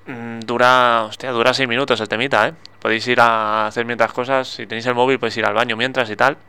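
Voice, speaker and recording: A man's voice: medium pitch, fast talker, clear, resonant tone. A man with an accent from Spain co-hosting a radio show in a studio, talking in casual, joking banter. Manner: joking, self-mocking, relaxed banter.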